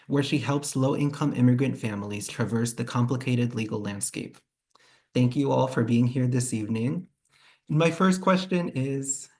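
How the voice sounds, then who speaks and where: Man, moderator and reporter, measured delivery, mid pitch. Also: darkish tone. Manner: measured, reads introductions. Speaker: moderator, race and equity reporter. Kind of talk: panel discussion moderation.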